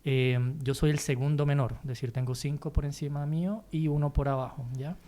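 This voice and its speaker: A man's voice: a little high, steady tone, brisk, dark tone. A man born in Bolivia and raised in Colombia, speaking with a Colombian-tinged Spanish accent, chatting casually as a podcast guest and rambling with many fillers and restarts. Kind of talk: casual chat.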